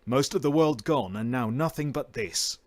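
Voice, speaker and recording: A man voicing a gruff, stoic old smuggler chief with a rough, commanding way of talking, in a dramatic story reading. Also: mid-range voice, normal speed, darkish tone, no room sound, close to an everyday voice. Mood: grave, consoling.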